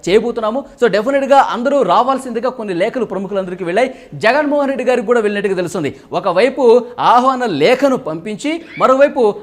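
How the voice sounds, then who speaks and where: Fast, high-pitched man reporting news. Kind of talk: live news reporting and political analysis.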